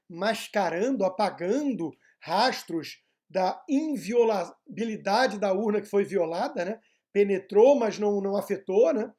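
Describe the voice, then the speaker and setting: Hesitant, mellow-voiced male political commentator. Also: high-pitched. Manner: hesitant, many filler sounds and tag questions.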